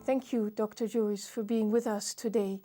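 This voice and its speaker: A woman hosting an interview, reading a formal introduction and asking measured questions. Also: mid-range voice, fairly even intonation, over loud music. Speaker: host.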